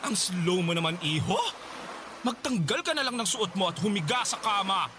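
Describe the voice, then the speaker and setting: An actor playing a flamboyant, impatient gay man who teases and pushes, with drawn-out hums. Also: high voice, expressive, over music. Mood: coaxing, flirty. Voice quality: teasing, theatrical, drawn-out hums. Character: flamboyant gay male client, pushy, impatient. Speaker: voice actor in radio drama.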